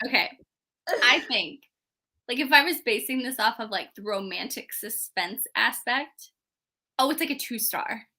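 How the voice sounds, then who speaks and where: A woman co-hosting a live book club readalong chats casually about books, peppering her opinions with "like." Her voice is a little high and sharp in tone, lively but measured in pace.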